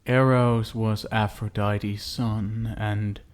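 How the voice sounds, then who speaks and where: Male actor as vampire husband, lowish pitch, extremely unhurried delivery, sinister, possessive, doting endearments, intimate ASMR roleplay. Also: flat delivery. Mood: soothing, possessive. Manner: soft coaxing endearments, lingering deliberate pauses.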